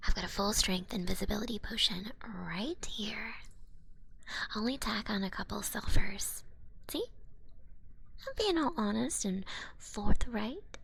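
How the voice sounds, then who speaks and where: Girl doing a cute shady goblin lady selling potions, asmr, soft whispery n breathy, kinda slow, teasing smooth talker. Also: medium pitch, expressive, exaggerated voice. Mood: slick, persuasive. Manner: smooth-talking, teasing, casual haggler with gentle threats. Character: sly, cute young female goblin back-alley potion swindler. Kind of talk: ASMR roleplay, hushed and close.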